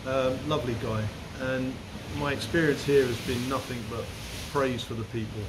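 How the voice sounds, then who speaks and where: A middle-aged man chatting as a guest, meandering and restarting his sentences, recorded in a room with a steady air-conditioner hum. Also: mid-range voice, moderate pace. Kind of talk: casual conversation. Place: room in the Philippines.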